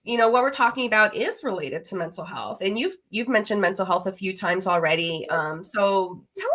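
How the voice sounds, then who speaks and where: A woman's voice: medium pitch, bright, forceful tone. A woman speaking as a podcast host in a casual, conversational interviewing style.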